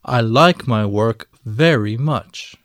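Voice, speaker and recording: Slow, carefully spoken male lesson reader. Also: mid-range voice, fairly bright tone, no room sound, studio quality. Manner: slow, clearly enunciated reading. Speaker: textbook audio reader. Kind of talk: scripted language-lesson recording.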